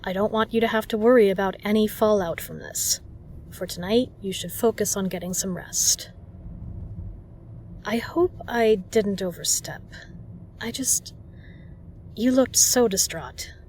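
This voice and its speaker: A woman's voice: mid-range voice, a little slow, pauses often, a little mellow, a little hiss or hum, natural voice. A woman playing a kind, protective, flirtatious bar regular in an audio roleplay, speaking earnestly and reassuringly to the listener. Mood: soothing, then hesitant, apologetic.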